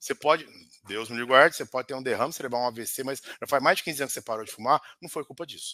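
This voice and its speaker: A very fast voice with a São Paulo accent, bright and sharp in tone, with ordinary pitch variation. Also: man, medium pitch for a man. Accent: caipira paulistano. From interior of São Paulo state, Brazil (Barretos). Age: 40s. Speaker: pulmonologist. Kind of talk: podcast interview.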